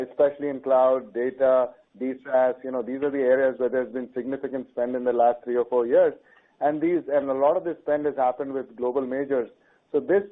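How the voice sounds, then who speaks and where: A man answering questions as a company executive on an earnings call. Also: mid-range voice. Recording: tinny narrowband conference phone line.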